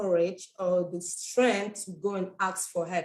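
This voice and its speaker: A woman's fairly slow speech in a Cameroonian accent. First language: French. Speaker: artist. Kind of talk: artist presentation. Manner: halting, many fillers and repetitions.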